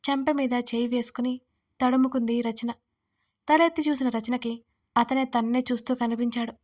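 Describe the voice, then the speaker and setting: A woman hosting and narrating a serialized audio story in a steady reading voice. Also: fairly high pitch, normal speed.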